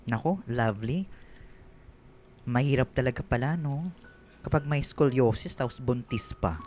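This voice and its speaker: An actor in a radio drama playing an excitable, effeminate gay Filipino expectant father, campy and melodramatic, mixing in English and girly slang. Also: mid-range voice, measured pace, faint music behind, close to an everyday voice. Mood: doting, playful.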